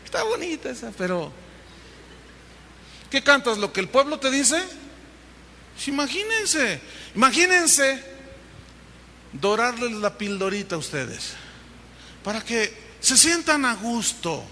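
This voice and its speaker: A man's voice: very high-pitched, big pitch swings, slow pace, long pauses, sharp tone. A male pastor with a Mexican accent preaching a sermon, emphatic and driving his points home through repetition. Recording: long hall reverb, faint noise.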